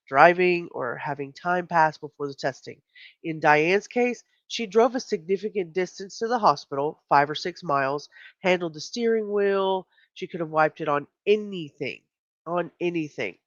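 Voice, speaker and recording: A woman's voice: low-pitched, no echo. Stuffy woman chatting on her stream, reacting to chat, dry dull lo-fi sound. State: stuffy nose. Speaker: livestream host. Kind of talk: casual livestream commentary.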